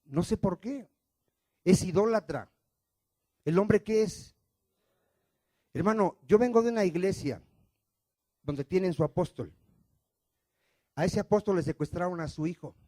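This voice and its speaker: A male pastor, preaching a sermon, firing rhetorical questions at the congregation and swinging between loud emphatic lines and quiet ones. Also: sits high, measured pace, pauses often, dry recording.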